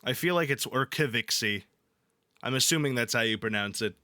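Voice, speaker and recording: Over ambient background music, a playful, irreverent host jokes and swears his way through a livestream, switching between casual chat and reading aloud. His medium-pitched voice is fairly quick, bright and forceful, recorded studio-clean with no echo.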